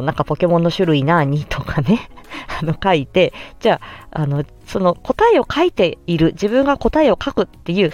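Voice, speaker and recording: A woman speech therapist hosting a solo podcast, explaining gently with many pauses and fillers. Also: on the low side.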